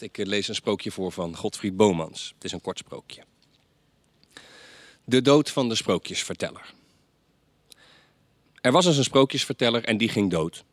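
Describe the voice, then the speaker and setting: A man reading stories aloud at a reading night, measured, chatting lightly between pieces. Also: lowish voice, no room sound.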